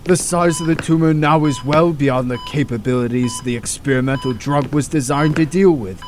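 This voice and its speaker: A man playing an earnest, troubled hospital doctor in an amateur audio drama, speaking in a deliberate, halting, dramatic way. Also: medium pitch, natural voice. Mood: grave.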